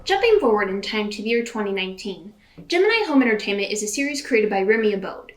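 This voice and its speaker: A woman's voice: mid-range voice, big pitch swings, quick pace. Woman narrating a video essay over prominent music. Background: background music.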